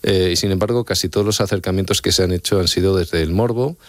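A man from Extremadura with a very low voice, talking quickly as an interviewed author. He lays out his points earnestly and keeps checking in with the listener. The sound is dry and close. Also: no room sound. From Extremadura, Spain. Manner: explanatory, earnest, often checks in with "¿vale?". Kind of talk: radio-style interview answers.

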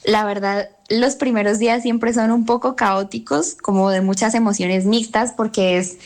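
A young adult university student from Colombia with a Colombian accent, speaking reflectively in a recorded interview clip, with hesitant fillers. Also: female voice, on the high side, steady tone, moderate pace.

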